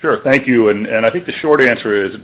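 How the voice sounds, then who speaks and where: A man answering business questions as a company executive, speaking deliberately with many hesitations mid-phrase. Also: mid-range voice. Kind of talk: unscripted business Q&A. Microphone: telephone conference line. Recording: narrow tinny phone-line conference call.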